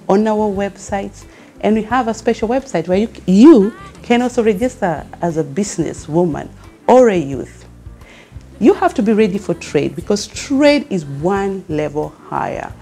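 A middle-aged Kenyan woman, founder and CEO of a women's network, speaks earnestly to camera in a Kenyan accent and asks rousing questions. Her mid-range, mellow voice has lively intonation and a normal pace. She is indoors in a furnished studio lounge with a fireplace, with soft music in the background.

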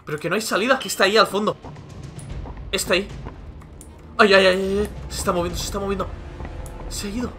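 A man's voice: high-pitched, steady tone, quick pace, pauses often, music in the background. A young man from Spain with a Spanish accent, commenting on a horror game, panicking, screaming and repeating himself. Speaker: gaming video creator.

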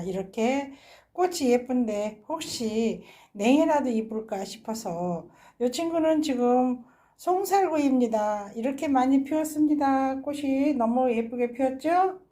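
Slow, mellow-voiced woman gardening host. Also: on the high side. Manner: fond, chatty, sighing exclamations. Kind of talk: casual walkthrough vlog. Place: home balcony garden.

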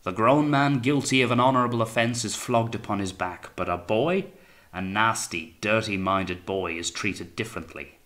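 A man acting a forceful, paranoid navy captain. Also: on the low side, normal speed, close to an everyday voice. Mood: sneering, taunting. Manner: theatrical, accusing, taunting, swings from quiet menace to blaring. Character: paranoid, sneering, tyrannical male naval captain, raging and suspicious. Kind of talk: dramatised audiobook reading of sea fiction.

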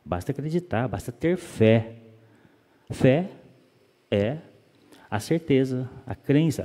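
A man giving a calm, explanatory spiritist lecture, often asking rhetorical questions. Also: fairly low pitch. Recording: long reverb of a hall.

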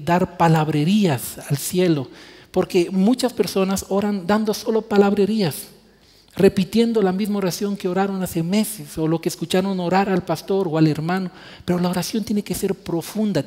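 A man's voice: high voice, normal speed, mellow. A man preaching a sermon as pastor, earnest, stretching key words for emphasis. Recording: church hall reverb.

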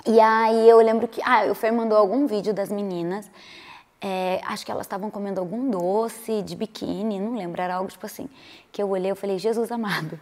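A woman's voice: medium pitch, long reverb tail. A Brazilian woman in her thirties talking casually to her viewers, often acting out things she used to say. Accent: Brazilian Portuguese. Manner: chatty, acts out her own past remarks. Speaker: vlogger. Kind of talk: casual reflective monologue.

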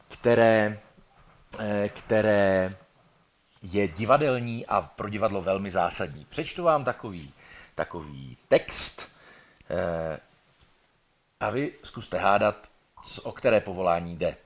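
A man's voice: on the low side, lively intonation, long pauses, a bit bright. A man, an actor, hosting a playful live stream from a theatre, chatty and hesitant, with many fillers. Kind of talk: casual live-stream chat.

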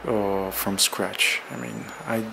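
Man, slow halting speech, creaky low register, casual vlog walk-through, noisy bare room. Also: fairly even intonation. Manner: halting, hesitant delivery with drawn-out pauses. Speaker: vlogger. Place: bare room under renovation, indoors, windows open.

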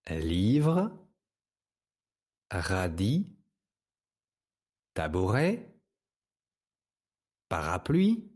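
A man with a French accent teaching young children to read, saying each sound slowly and patiently. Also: fairly low pitch, warm tone. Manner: patient, speaks words slowly and distinctly. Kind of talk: slow, clear reading lesson for young children.

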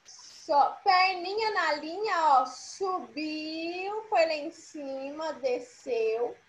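Woman teacher, high voice, slow and patient, demonstrating letters over a video call. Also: expressive, low-quality recording. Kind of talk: online class dictation.

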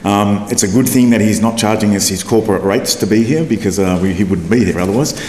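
A man's voice: on the low side, fast talker, darkish tone. Hesitant male host in an echoey hall. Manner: hesitant, many fillers. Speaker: event host. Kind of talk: introducing a speaker. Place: conference hall. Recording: echoey hall with faint noise.

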